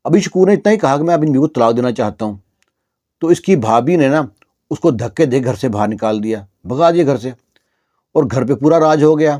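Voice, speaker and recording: A man's voice: medium pitch, animated, dark tone. A man narrating a village story in a conversational way, with repeated fillers and restarts.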